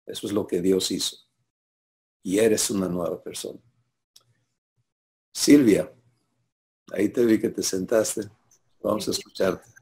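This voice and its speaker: Man, pastor, low mellow voice, teaching sermon, checks for agreement. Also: unhurried, vocal fry, pauses often. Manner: teaching, asks listeners for assent.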